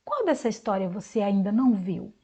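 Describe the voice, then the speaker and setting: A Brazilian woman teaching a recorded video lesson to young children, speaking slowly in a sing-song teacher manner and clapping out syllables. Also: medium pitch, sing-song, mellow, breathy edge. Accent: Brazilian Portuguese.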